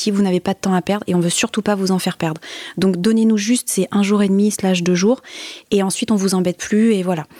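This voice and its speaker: Fairly quick speech from a woman, dark and mellow in tone, with a dry, close sound and no echo. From Normandy, France. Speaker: entrepreneur. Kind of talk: interview.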